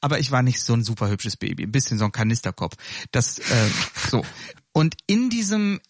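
A man moderating a casual discussion, relaxed, chatty and self-deprecating. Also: mid-range voice, fairly quick. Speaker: podcast host and moderator.

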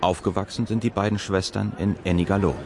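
A man with a very low voice narrates a documentary. His reading is calm and measured. He voices a scripted report. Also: slight background noise.

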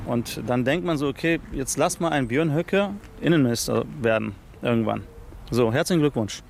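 A man from Afghanistan speaks in a middle-pitched voice outdoors in a city. He is earnest and searches for words, restarting his phrases. Faint traffic and street sounds are in the background. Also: normal speed, gravelly, a little mellow. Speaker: interviewee. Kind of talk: personal interview.

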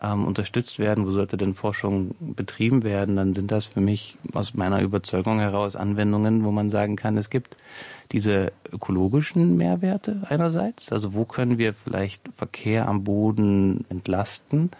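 A man, a sociologist, speaking as a studio interview guest, measured and explanatory, thinking aloud as he goes. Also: fairly low pitch, warm tone, no echo. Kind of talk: expert radio interview.

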